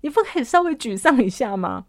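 A woman tells a personal story as a podcast host. Her voice sits a little high, and she is lively, laughing often and swinging between soft and loud. The sound is dry and close. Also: fast, no room sound.

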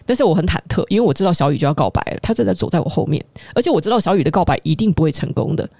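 A woman hosting a podcast, recounting a personal memory in a conversational way, acting out the quoted lines with lively shifts and asking listeners rhetorical questions. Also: on the low side, racing, gravelly, no room sound, studio quality. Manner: animated, acts out quoted dialogue. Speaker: podcast host.

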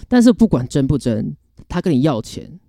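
A young Taiwanese man chats on a podcast with a lively, swooping delivery. His tone is mellow and low-key in color, he swears freely and acts out other people's lines, and the sound is close and dry with no room around it. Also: moderate pace, vocal fry, dry recording. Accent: Taiwanese Mandarin. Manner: animated storytelling, blunt and profane, mimics others' voices. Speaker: podcast co-host. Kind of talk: casual chat.

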